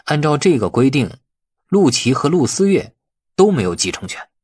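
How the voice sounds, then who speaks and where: In an audiobook, a man performs a brash, irritable character caught up in a family inheritance feud, grumbling colloquially and defensively as he explains himself. He pitches the voice fairly high, above his own, making it very animated, a little mellow and breathy at a moderate pace.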